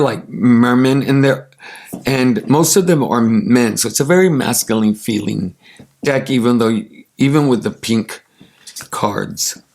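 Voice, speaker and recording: A raspy man with allergies, casually chatting and enthusiastically showing off tarot cards, with many ums and uhs. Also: mid-range voice, a little mellow. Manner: gushing, enthusiastic, with many fillers. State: congested from allergies. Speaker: tarot deck reviewer.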